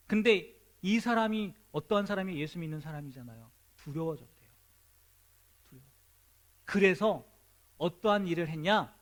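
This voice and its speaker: A man preaching a sermon as pastor at a young adults' worship service, telling a story and asking his listeners many rhetorical questions. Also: sits high.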